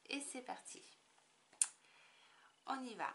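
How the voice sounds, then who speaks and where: A woman's voice: high voice, expressive, slow pace, pushed and bright, slight background noise. A woman chatting casually to the camera in a makeup tutorial, rambling with lots of fillers and restarts. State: tickly throat. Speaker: makeup vlogger.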